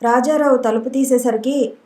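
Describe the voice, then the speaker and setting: A woman narrating a novel as an audiobook in a steady, even reading manner. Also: high voice, normal speed. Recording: roomy echo.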